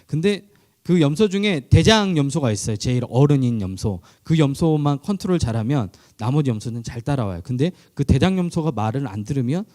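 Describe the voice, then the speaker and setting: Male pastor from Korea, sermon storytelling, animated rise and fall, mellow tone. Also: medium pitch, a little fast. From South Korea. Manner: conversational storytelling with questions to listeners. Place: church, online youth service.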